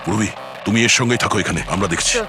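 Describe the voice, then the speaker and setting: Actor as a low, rapid-fire detective man. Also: lightly acted. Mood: focused. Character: steady, matter-of-fact male police detective. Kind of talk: TV crime drama acting. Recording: loud music over the dialogue.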